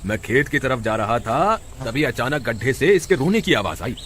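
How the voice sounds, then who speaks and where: A man's voice: mid-range voice, animated, moderate pace, a bit bright, slight background noise, lightly acted. A man voicing a kind village farmer in a cartoon story, earnest and firm. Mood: gentle. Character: kind village farmer, grown man, protective of his family.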